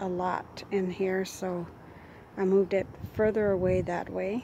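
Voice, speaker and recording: Very slow and monotone, a woman's flat voice comes through dry with no echo over light background noise. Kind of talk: casual vlog chat. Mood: mildly frustrated, relaxed. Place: garden. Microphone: phone near.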